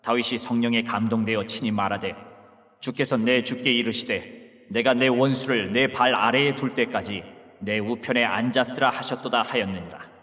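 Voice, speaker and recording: A man playing Jesus as a calm teacher, giving measured, solemn lines in a dramatized Bible reading. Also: mid-range voice, natural voice. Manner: measured, solemn archaic delivery. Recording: long hall reverb.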